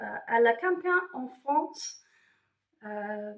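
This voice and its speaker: A woman speaks with a strong English accent. Her pace is very slow. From England. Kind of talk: casual talk to camera. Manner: rambling, hesitant.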